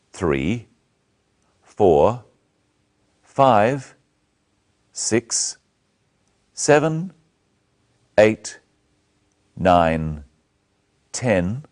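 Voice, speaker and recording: A middle-aged man presenting a scripted English lesson, speaking slowly and clearly into a lapel mic. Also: low-pitched, a little mellow. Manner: slow, clear, carefully spoken. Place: small studio set, indoors.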